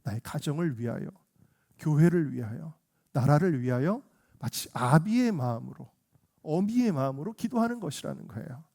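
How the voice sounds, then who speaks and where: A man's voice: a little high, animated, moderate pace, creaky, warm tone. A male senior pastor preaching a Sunday sermon with emphasis, often putting questions to the congregation.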